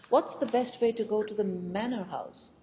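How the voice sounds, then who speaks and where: A woman reading the part of an impatient, commanding young gentleman suitor in a storybook. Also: medium pitch, normal speed, pitched above the performer's own voice, close to an everyday voice. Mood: brisk. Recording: dull lo-fi recording with faint noise.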